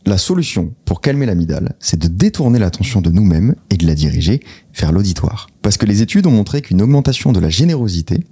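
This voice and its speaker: A man co-hosting a podcast in casual chat, teasing with deadpan self-mockery and reading out notes. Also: lowish voice, fast, breathy edge. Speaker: podcast co-host.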